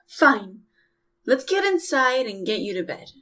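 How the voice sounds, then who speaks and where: A woman's voice: fairly high pitch, very animated, slow pace, fairly bright tone, heavily acted. A woman playing a bossy, exasperated young woman in an audio drama, scolding and sarcastic. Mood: reluctant.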